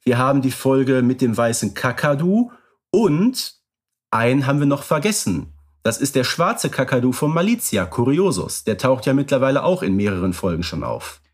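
A man's voice: medium pitch, sing-song, normal speed. A man co-hosting a podcast in casual chat, easygoing and fond of wordplay. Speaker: podcast co-host. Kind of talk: casual chat about radio plays.

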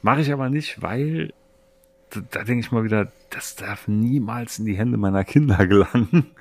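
A man's voice: fairly low pitch, moderate pace, no echo. A middle-aged man chatting casually as a podcast co-host, with a wry, self-mocking manner. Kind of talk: casual chat about games and films.

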